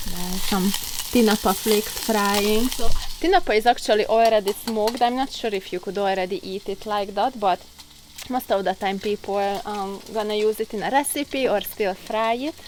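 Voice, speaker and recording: A woman's voice: mid-range voice, slight background noise, rough recording. A woman hosting a casual outdoor cooking vlog, chatting and giggly as she explains things. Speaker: vlog host. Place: outdoors on a farm.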